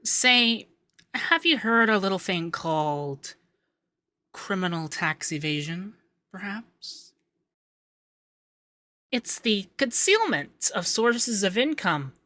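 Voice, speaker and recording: Man acting a bright-voiced, coy, effeminate young accountant. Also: sits high, very animated, takes it slowly, long pauses, no room sound, exaggerated voice. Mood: teasing, probing. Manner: coy, teasing, lilting, hesitant in places. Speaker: ASMR voice actor. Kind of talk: ASMR roleplay.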